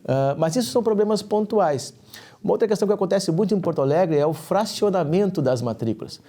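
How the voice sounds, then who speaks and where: A man, a lawyer guest, explaining property registration in a measured way on a studio talk show. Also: sits high, lively intonation, warm tone. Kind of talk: explanatory interview answer.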